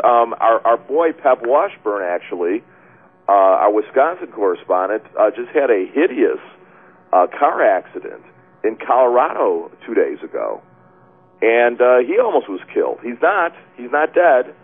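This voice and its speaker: Man hosting a call-in show, husky voice, low pitch, tinny phone-line sound. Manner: chatty, warm, with many fillers. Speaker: webcast host. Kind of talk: casual call-in talk.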